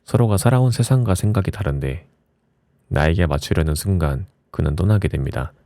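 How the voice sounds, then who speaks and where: A man with a low voice reads reflective essays as an audiobook narrator, in a soft ASMR style with a gentle, soothing bedtime delivery. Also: no room sound, clean studio sound. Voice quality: low, mellow voice.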